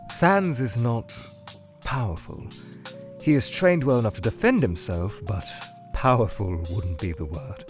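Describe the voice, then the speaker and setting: A man playing a weary, scholarly monster scientist trapped in a void, speaking in a measured, halting, brooding way that trails off, in a fan audio drama. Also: medium pitch, animated, faint music behind, natural voice. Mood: worried, somber. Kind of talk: fan audio drama, in-character answers to questions.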